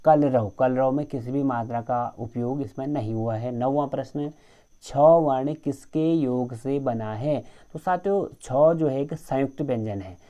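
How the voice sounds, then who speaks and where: Mellow-voiced man teaching a lecture. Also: medium pitch, unhurried. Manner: explains step by step, often addresses viewers as friends. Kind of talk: exam-prep lecture.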